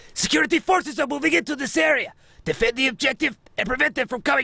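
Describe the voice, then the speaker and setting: Using a put-on character voice, a man projects loudly in an extremely high pitch at a very fast pace. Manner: gruff, commanding radio announcement.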